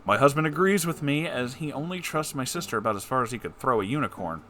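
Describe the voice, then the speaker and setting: A man's voice: medium pitch, lively intonation, fast talker, fairly bright tone, faint music behind. A man hosting a letter-reading show, performing listeners' letters expressively and answering with wry, conversational advice. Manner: theatrical, wry asides.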